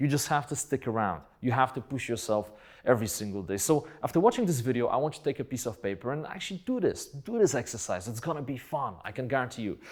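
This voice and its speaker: Speaking very fast with hardly any pauses, a man talks at medium pitch in a Polish accent with lively intonation. The recording is very clean, with a silent background. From Poland. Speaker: motivational speaker. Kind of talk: motivational talk. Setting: video shoot with film crew.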